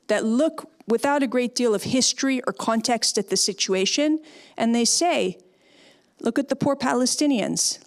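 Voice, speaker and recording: Emphatic woman giving a persuasive talk. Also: fairly high pitch. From Canada. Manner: emphatic, persuasive speech with rhetorical questions. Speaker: guest speaker, former speechwriter. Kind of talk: public talk and audience Q&A.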